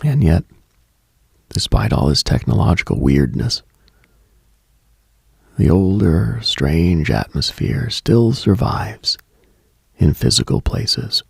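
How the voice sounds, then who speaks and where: Male late-night radio host, very husky, heavy vocal fry, hushed brooding monologue, contemplative. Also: low-pitched, sing-song, takes it slowly, long pauses, no echo, studio quality.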